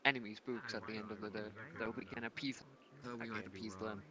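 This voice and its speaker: A man in improvised in-character roleplay, musing aloud in a halting way, sounding a little distant. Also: lowish voice, steady tone, a crowd in the background. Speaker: roleplay participant.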